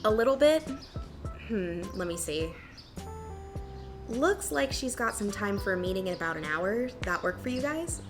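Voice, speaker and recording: A woman's voice: medium pitch, animated, moderate pace, pauses often, over music, lightly acted. A woman playing a friendly, dryly teasing young mayor's assistant in casual audio drama dialogue.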